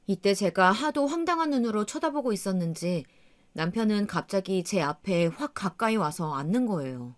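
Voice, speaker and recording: A woman's voice: medium pitch, lively intonation, moderate pace. A woman narrating a first-person family story in a confiding, conversational way.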